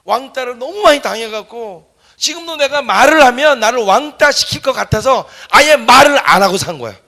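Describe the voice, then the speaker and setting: A man pastor quoting a shy, bullied teenage boy who speaks in a halting, confessional way. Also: very high voice, animated, creaky, bright, forceful tone, voice pushed up, exaggerated voice. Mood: tearful.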